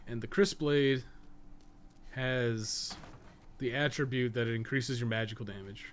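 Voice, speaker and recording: A man's voice: mid-range voice, steady tone, a little slow. A man doing casual live-stream gaming commentary, thinking aloud in a rambling, slangy way with plenty of swearing and joking. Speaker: game guide streamer and podcast host.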